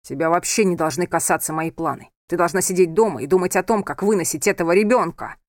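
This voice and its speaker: Woman doing a angry young husband, storybook, low-pitched, hard-edged, loud scolding, dry sound. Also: normal speed, no room sound, close to an everyday voice. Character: stern angry young husband, controlling and forceful.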